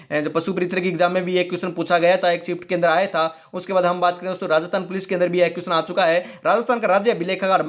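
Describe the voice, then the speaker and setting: A man teaching a fast quiz-style online exam-prep class, drilling answers over and over, his throat strained from talking fast. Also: high voice. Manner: rapid, repetitive quiz drilling with motivational asides.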